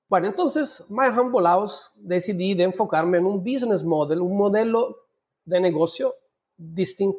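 A man talks with a high pitch and lively intonation. His pace is fairly slow. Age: 50s. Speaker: hotel entrepreneur. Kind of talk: interview.

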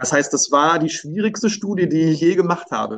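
A man speaks in an unremarkable speaking voice with ordinary pitch variation. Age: 40s. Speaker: sales professor. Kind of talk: interview.

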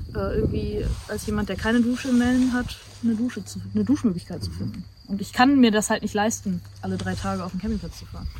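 Noticeable background noise runs under the recording. A woman talks at a very fast pace. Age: 20s. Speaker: photographer. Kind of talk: casual chat. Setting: outdoors.

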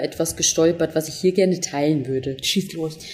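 The tone is dark and mellow. The pace is moderate. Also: woman. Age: 20s. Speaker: podcast co-host. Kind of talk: casual chat.

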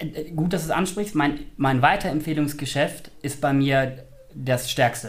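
The pace is fairly slow, with ordinary pitch variation. Noticeable background noise is present. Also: man, fairly high pitch for a man. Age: 30s. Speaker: social media agency owner. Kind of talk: casual interview. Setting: office studio with camera.

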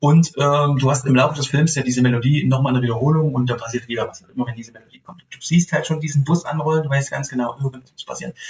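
A man's fairly high-pitched voice at a very fast pace, with fairly even intonation but big swings in loudness. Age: 30s. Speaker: podcast guest, film fan. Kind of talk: casual chat. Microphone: built-in laptop mic, poor sound quality.

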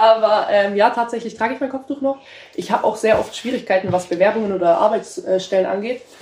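A woman's fairly high voice at a very fast pace, with ordinary pitch variation and noticeable background noise. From Bavaria, Germany (Ingolstadt). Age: 20s. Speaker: student and full-time employee, interviewee. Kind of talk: interview.

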